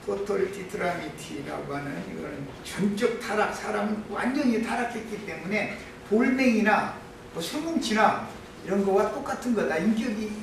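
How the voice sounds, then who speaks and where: Man explaining doctrine, high and gravelly, far off mic, noisy echoey room. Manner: explaining doctrine, earnest, frequent "예" fillers. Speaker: church member giving testimony. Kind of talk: explanatory testimony.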